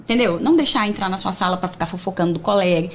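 A woman entrepreneur, a talk show guest, telling stories in an animated, emphatic way. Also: on the low side, rapid-fire, a little hiss or hum. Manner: animated storyteller, lively and emphatic. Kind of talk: casual chat.

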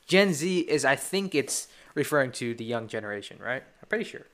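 A teenage boy talks through a solo podcast in a rambling, eager fan's way. His voice is bright and ringing, with a smooth, clean tone. The delivery is loose and chatty. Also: medium pitch, sing-song, a little fast. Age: teens. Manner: rambling, enthusiastic fan chat. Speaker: podcast host. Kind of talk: casual solo podcast talk.

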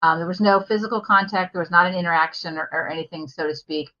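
Middle-aged woman guest, candid and earnest, bright lowish voice, muffled remote recording. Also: quick pace. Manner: open and earnest, with fillers. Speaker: podcast guest, life coach. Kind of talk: candid interview storytelling. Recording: dull lo-fi remote audio.

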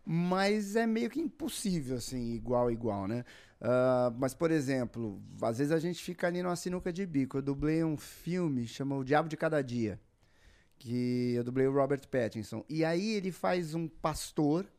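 A man's voice: medium pitch, normal speed. A Brazilian man, a voice actor, telling stories in a casual podcast chat and laughing often. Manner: animated storyteller, laughs often.

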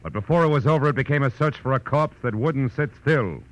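An actor playing a world-weary private detective in 1940s radio style, terse, wry and deadpan. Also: male voice, mid-range voice, brisk, natural voice. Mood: grim, emphatic. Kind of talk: 1940s radio acting, first-person noir narration. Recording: dull old radio recording with music.

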